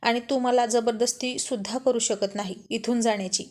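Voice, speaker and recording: A woman's voice: on the high side, steady tone, normal speed, a little mellow, close to an everyday voice. A woman voicing a headstrong, defiant young woman who argues and pleads in a told love story.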